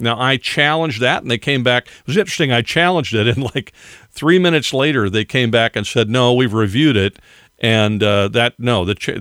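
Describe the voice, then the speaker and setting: Talking at a moderate pace, a man has a medium-pitched voice with ordinary pitch variation, a normal speaking voice. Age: 60s. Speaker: gun podcast host. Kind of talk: solo podcast commentary.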